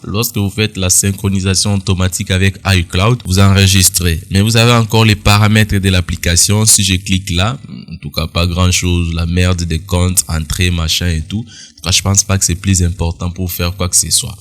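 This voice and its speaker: Man, very low voice, casual software tutorial, explains step by step to viewers. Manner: explanatory, addresses viewers directly, casual asides. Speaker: tutorial instructor. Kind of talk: screen-recorded software tutorial.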